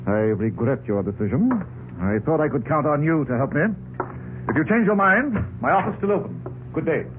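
A man's voice: on the high side, expressive, brisk, lightly acted. A man playing a pompous, dignified politician with stuffy formal diction and some nervousness under the bluster, in 1940s radio drama style. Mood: stiff, offended. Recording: old muffled 1940s radio recording, hissy.

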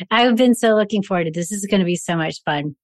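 A woman hosting a podcast interview, enthusiastic and quick to laugh. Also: medium pitch, lively intonation, no room sound, clean studio sound. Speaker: podcast host. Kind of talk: casual interview chat.

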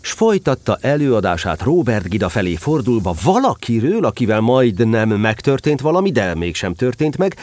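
A man's voice: medium pitch, very animated, few pauses, darkish tone, dry recording. A man narrating a scripted children's story expressively, as the narrator of an audio drama.

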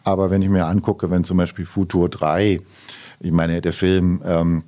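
A man's voice: deep voice, warm tone. A man in his sixties, a film distributor answering interview questions bluntly, with many hesitations.

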